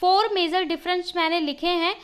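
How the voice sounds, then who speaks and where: High-voiced woman teaching with a sore throat. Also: fairly even intonation, fairly bright tone. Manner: explains in a questioning, step-by-step way; reads English lines slowly, then explains. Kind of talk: worksheet lesson for school students.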